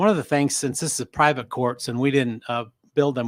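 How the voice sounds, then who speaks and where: A man with a medium pitch talks at a fairly quick pace with fairly even intonation, in a very clean recording with a silent background and a dry, close sound with no echo. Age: 60s. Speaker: agronomist and pickleball court investor. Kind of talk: radio interview. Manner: hesitant, many fillers.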